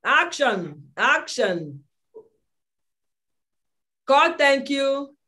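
A woman's voice: sits high, big pitch swings, extremely slow, pushed and bright. A Nigerian-accented woman coaching an online acting class, giving commanding instructions and repeating her orders. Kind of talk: directing students in an online audition class. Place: indoor room, on a video call. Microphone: video call microphone.

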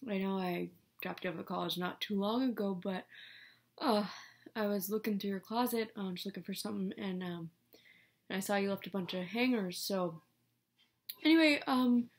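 A woman's voice: mid-range voice, normal speed, lightly acted. A woman playing a lonely middle-aged dad, mumbling hesitantly through voicemails in a comedy sketch. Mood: awkward longing. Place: small room indoors.

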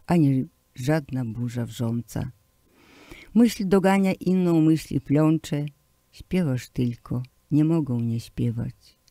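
Man reading poems for radio, slow and declamatory, mellow dark tone, dry close sound. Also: mid-range voice, no room sound. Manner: slow, declamatory recital with swelling emphasis. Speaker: poetry reader. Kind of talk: poetry recitation.

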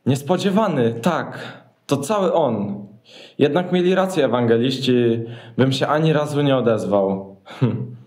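A man's voice: mid-range voice, expressive, unhurried, a little mellow, close to an everyday voice. A man playing a tired, patient husband in a Christmas radio play, with a resigned manner. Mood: wry.

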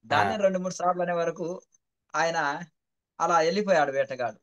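A man's voice: fairly high pitch, moderate pace, a bit bright, clean tone, lo-fi sound. A man, a spiritual teacher who explains his points patiently through a parable, repeating phrases and checking that the listener understands.

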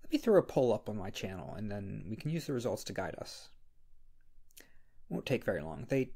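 A man playing a shy, flustered, insecure young scriptwriter in an intimate ASMR roleplay, speaking hesitantly with a husky, creaky voice. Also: on the low side, very animated, warm tone, exaggerated voice. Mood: thoughtful. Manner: hesitant, halting. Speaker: audio roleplay performer. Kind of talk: ASMR roleplay, intimate one-sided dialogue.

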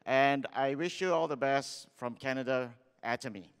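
A man's voice: mid-range voice, normal speed, clean tone. Singaporean man talking in a big hall. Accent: Singaporean English. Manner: chatty, asks the audience questions. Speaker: seminar speaker. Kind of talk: lively sales seminar talk. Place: large hall on stage. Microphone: handheld mic. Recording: long hall reverb.

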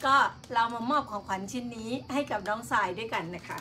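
A woman's voice: on the high side, quick pace, sharp tone, a little hiss or hum. A woman hosting a live stream in casual chat, politely reading out and greeting her viewers one by one.

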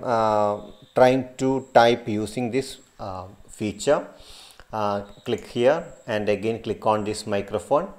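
A man's voice: medium pitch, a little mellow. Malayali man teaching screen tutorial. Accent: Malayali English. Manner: halting, many fillers and restarts, gestures while talking. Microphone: built-in laptop mic.

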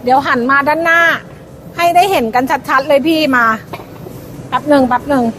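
A woman live-selling clothes in a casual, hyped sales pitch, insistently repeating phrases for emphasis. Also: a little fast, fairly bright tone, a little hiss or hum. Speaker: live-stream clothing seller. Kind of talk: fast hype live-sale pitch, casual. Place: shop front, camera moved toward outside.

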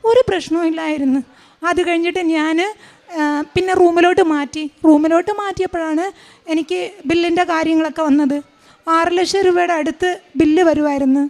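A woman's voice: extremely high pitch, a little mellow. A middle-aged woman giving an earnest personal faith testimony, retelling what others said to her. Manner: earnest, retelling events with many quoted lines. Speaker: testimony speaker.

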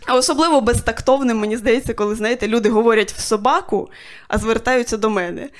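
High-voiced woman doing stand-up. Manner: dry storytelling with quick voiced asides. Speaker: stand-up comedian. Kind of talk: stand-up comedy set. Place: stage of a small comedy club.

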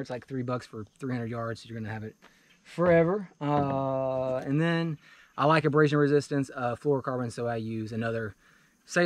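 A fly fishing vlogger in his forties talks casually to camera in a wooded clearing beside a pickup truck, walking through his fishing gear. His mid-range voice is relaxed and chatty, full of fillers and restarts, with no echo.

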